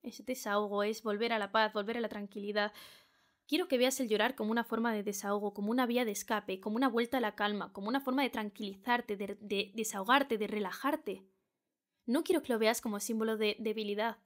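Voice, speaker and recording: A young woman from Spain hosting her own podcast, speaking earnestly to the listener and repeating phrases for emphasis. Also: a little high. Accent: Spain Spanish. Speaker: podcast host. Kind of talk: solo advice podcast monologue.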